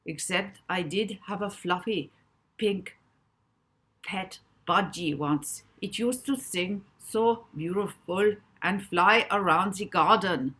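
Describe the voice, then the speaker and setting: A woman reading the part of a hypnotized, scruffy grown man who answers in a flat, obedient, plaintive way. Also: medium pitch, takes it slowly. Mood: meek. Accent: German, put on.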